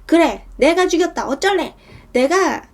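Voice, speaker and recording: A woman's voice: extremely high pitch, expressive, a little slow, pitched above the performer's own voice, exaggerated voice. A woman voicing a sneering crude young thug. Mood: taunting. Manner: mocking, brash.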